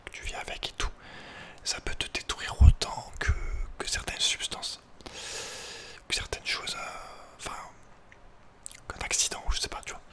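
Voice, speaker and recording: Male ASMR host, fully whispered, casual and halting delivery, personal advice chat. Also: pushed and bright. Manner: hesitant, halting, informal. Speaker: ASMR video creator and host.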